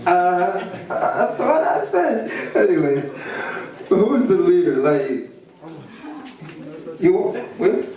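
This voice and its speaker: A man's voice: high-pitched, big pitch swings, slow pace, long pauses, mellow, muffled recording. A man from Burundi interviewing someone casually at a live event, with lots of fillers and laughs. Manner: chatty, laughing, filler-heavy questions. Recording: very echoey hall, distant mic.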